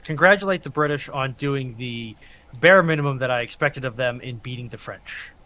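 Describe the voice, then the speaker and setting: Man with bright voice, bantering. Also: medium pitch, moderate pace, low-quality recording. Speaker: panelist. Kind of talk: casual banter.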